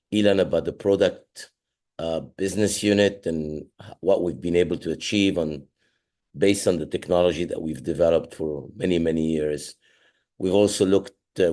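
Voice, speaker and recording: A man's voice: sits low, warm tone. A middle-aged man, a company chairman, giving a shareholder update while under the weather, speaking hesitantly with many fillers and restarts.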